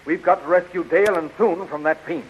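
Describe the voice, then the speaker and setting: An actor playing a brave, ardent and defiant young hero in a 1930s radio serial. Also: male voice, on the high side, brisk, lightly acted. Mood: urgent. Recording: muffled, hissy 1930s radio recording.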